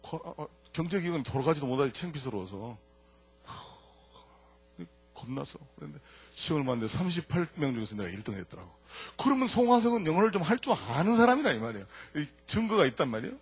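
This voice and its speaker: An older man tells his testimony to a congregation with animated storytelling. He swings from loud punchlines down to quiet asides. His voice sits fairly high and sounds husky. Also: fast. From Jeolla, South Korea. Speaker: church elder giving a testimony talk. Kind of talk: lively storytelling testimony to an audience.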